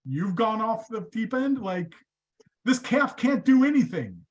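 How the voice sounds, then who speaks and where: A man's voice: high-pitched, sing-song, unhurried, voice pushed up. A man voicing God, who reacts with disbelief to Moses in a retold story. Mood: exasperated. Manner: exasperated, incredulous.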